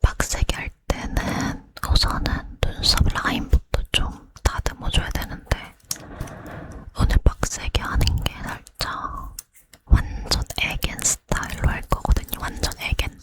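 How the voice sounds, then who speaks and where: A hushed whispered role-play of a woman acting a boy-crazy young woman getting ready to go out. She leans in to whisper very slowly and breathily, chatty and determined in an intimate ASMR delivery. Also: close to an everyday voice. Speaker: ASMR creator.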